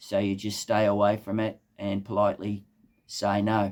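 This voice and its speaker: In an Australian accent, a man speaks with a fairly low pitch and a relaxed tone. His intonation is monotone and flat, and his pace is fairly slow. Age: 60s. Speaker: lawn care business owner and vlogger. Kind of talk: casual vlog talk to camera. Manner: relaxed with frequent ums and uhs.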